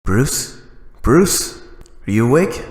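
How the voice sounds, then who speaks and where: An actor playing a frank young crime-fighter in a comic-book audio drama, conversational and wry. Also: male voice, mid-range voice, big pitch swings, slow pace, breathy edge, no echo, clean studio sound, exaggerated voice. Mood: worried, wry.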